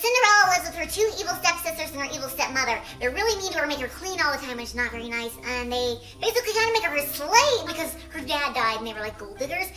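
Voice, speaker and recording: Helium-squeaky young woman, extremely high-pitched. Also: quick pace, few pauses, roomy sound. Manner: giggly, rambling, animated. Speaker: video creator. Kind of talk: playful challenge vlog retelling film plots.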